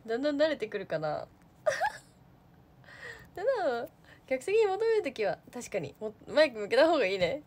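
Lively, high-voiced young woman chatting on a livestream. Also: normal speed, pauses often. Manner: chatty and giggly, with lots of fillers. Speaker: idol trainee livestreamer. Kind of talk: casual livestream chat reading viewer comments.

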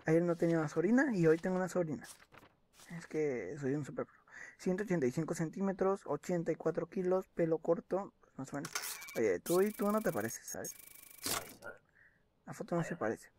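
Brief: young man, gameplay commentary, mutters and reads documents aloud, fairly high voice. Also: expressive, a little fast, a little mellow. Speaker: gaming video host.

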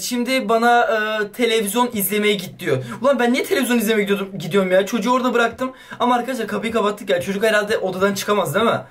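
A young man with a very high voice narrates his horror-game playthrough. He is excitable and swears playfully at the baby in the game, in the manner of a YouTube let's play. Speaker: gaming YouTuber.

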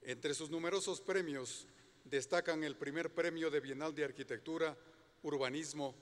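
A man's voice: fairly high pitch, steady tone, moderate pace. A man formally reading a prepared introduction of guest speakers on behalf of a university. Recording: long hall reverb.

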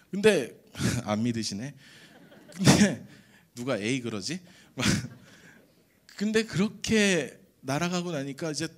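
A young man giving an animated testimony at a church prayer service, telling his story with jokes and acted-out voices. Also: mid-range voice.

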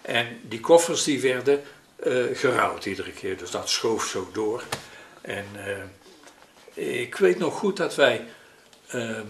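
An elderly man, recalling memories in a hesitant, pausing, conversational way. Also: mid-range voice, expressive. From Netherlands. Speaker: interviewee recalling his childhood. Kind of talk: spoken reminiscence in an interview. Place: living room at home, indoors. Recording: roomy echo with faint noise.

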